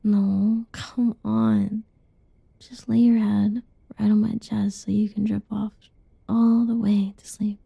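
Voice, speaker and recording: A young woman doing a whispered ASMR roleplay in a soft, teasing whisper, recorded close and dull. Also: medium pitch, level tone, slow pace, gravelly, breathy edge, no room sound.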